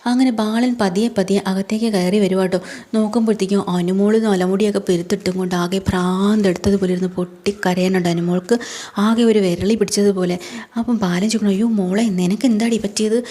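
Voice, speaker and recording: A woman's voice: mid-range voice, fairly even intonation, brisk, mellow. A woman casually retelling a television serial episode, chatty and colloquial with frequent tag words and fillers. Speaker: serial recap narrator. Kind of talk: casual spoken story recap.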